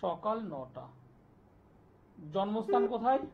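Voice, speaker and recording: A man, an astrologer hosting a live TV call-in show, delivering an insistent, repetitive pitch and taking callers' details. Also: sing-song, slow pace, gravelly, slight background noise. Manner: insistent, repetitive sales pitch, listing place names. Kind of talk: live TV promotional talk and phone call-in. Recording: dull lo-fi broadcast sound.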